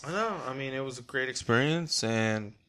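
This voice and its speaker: A man, an Army captain, talking in a casual podcast interview, relaxed and hesitant with many fillers and restarts. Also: medium pitch, moderate pace, background noise.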